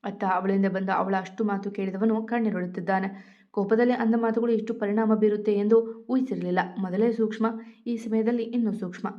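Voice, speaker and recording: A woman storyteller narrating a romance story in a steady read-aloud way. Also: medium pitch, brisk. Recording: dull lo-fi audio.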